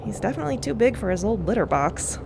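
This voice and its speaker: A woman playing a timid, apologetic young explorer who speaks politely and haltingly in an audio drama. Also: mid-range voice, sing-song, gravelly, noisy background. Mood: awkward, apologetic. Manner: hesitant, polite. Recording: music bed underneath.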